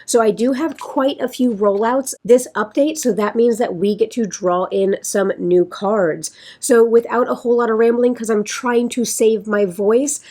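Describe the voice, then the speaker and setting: A woman talks casually to her viewers in a raspy, congested voice, hoarse from a sinus infection. She chats in a friendly, rambling way, often circling back and restarting her sentences. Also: medium pitch, darkish tone. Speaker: beauty vlogger. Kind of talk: casual chat.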